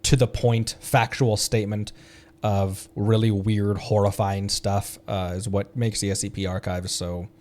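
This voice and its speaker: A man streaming a game live, reading text aloud haltingly and adding his own commentary. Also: lowish voice, little pitch movement, a little mellow.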